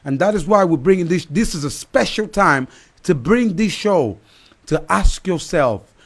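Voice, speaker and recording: A man's voice: high-pitched, lively intonation, a little slow. A man hosting a live online talk show who rambles, restarts and fills with "uh". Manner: rambling with many fillers and restarts.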